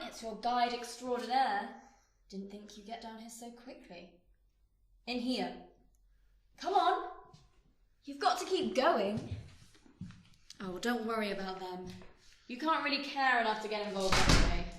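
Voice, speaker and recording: An actress playing a cheerful, mysterious female guide in a horror audio drama, coaxing and chirpy. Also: fairly high pitch. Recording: echoey room.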